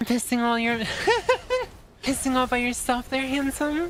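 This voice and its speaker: Using a put-on character voice, a woman with a high pitch sounds whiny, speaking at a moderate pace with fairly even intonation over clear background noise. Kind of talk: girly, high.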